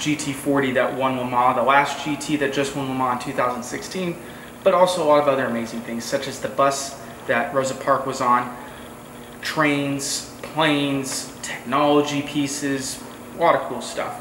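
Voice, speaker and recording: In a room with audible echo and light background noise, a man speaks at a fairly slow pace with monotone, flat intonation. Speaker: car vlogger. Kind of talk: casual vlog chat. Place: shop.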